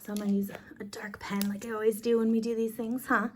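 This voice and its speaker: A woman's voice: on the high side, level tone, fast, slight background noise. A woman kindergarten teacher explaining a lesson casually, step by step, in an informal, encouraging way.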